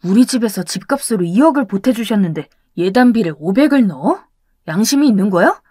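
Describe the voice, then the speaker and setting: A woman's voice: medium pitch, lively intonation, fairly quick, breathy edge, dry recording, clean studio sound. A woman voicing an angry young man who scolds his girlfriend in a raised voice. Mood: scolding. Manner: sharp, raised voice.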